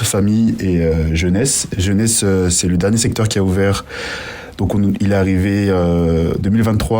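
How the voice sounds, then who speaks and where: Low-voiced man, hesitant interview answers. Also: a little mellow. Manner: hesitant, halting with long pauses. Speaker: youth centre worker being interviewed.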